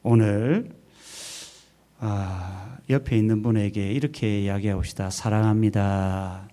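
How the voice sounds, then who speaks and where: Mellow-voiced pastor preaching with rhetorical questions. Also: male voice, mid-range voice, expressive, measured pace, a little hiss or hum. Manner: emphatic preaching with rhetorical questions and call-and-response. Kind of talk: sermon. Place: church sanctuary.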